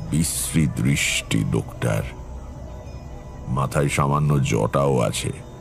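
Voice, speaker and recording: An actor playing a brooding tantric storyteller, narrating an eerie village tale in a measured, dramatic way. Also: male voice, very deep voice, heavily acted. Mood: uneasy. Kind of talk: dramatic first-person horror narration.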